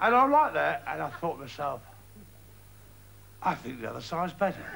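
In a West Country accent, a man talks at a fairly quick pace with big swings in loudness over light background noise. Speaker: comedian and magician. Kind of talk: stand-up comedy on TV show. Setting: TV studio with audience. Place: studio.

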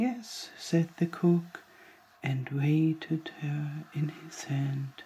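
Very deep and low in pitch, a woman speaks at a very slow pace. She is soft-spoken, with a calm, gentle tone. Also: ordinary pitch variation, big swings in loudness. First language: German. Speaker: ASMR storyteller reading fairy tales. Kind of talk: soft bedtime story reading aloud, ASMR. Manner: slow, calm, gentle storytelling pace.

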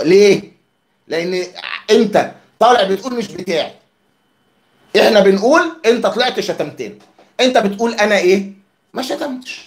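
This man has a high pitch, an animated tone and lively intonation. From Egypt. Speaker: football pundit and former player; football analyst. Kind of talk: angry video monologue. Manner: animated, repetitive. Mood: angry, accusatory. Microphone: webcam.

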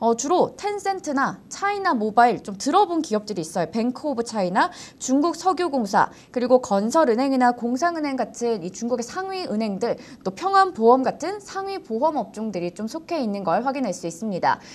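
Against noticeable background noise, a high-pitched woman speaks at a moderate pace, her pitch swinging very widely. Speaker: live stream finance host. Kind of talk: live stream market briefing. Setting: live online stream with chat.

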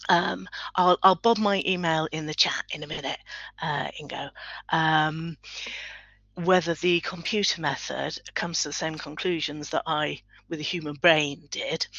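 At a fairly slow pace, a woman with an unremarkable speaking voice talks at a fairly low pitch with fairly even intonation, in a dry sound with no echo. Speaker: researcher and event organiser. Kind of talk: webinar presentation. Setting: video call. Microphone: video call.

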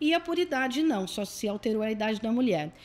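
Pitch leaps across a very wide range. The delivery keeps a moderate rate. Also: woman. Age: 40s. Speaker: social security lawyer. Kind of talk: interview. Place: studio. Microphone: studio mic.

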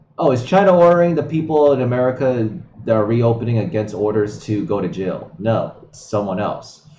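A man talks in a dark, mellow tone that is somewhat breathy. The room echo is audible, and there is light background noise. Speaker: streamer. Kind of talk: commentary. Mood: scornful, annoyed. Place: home room.

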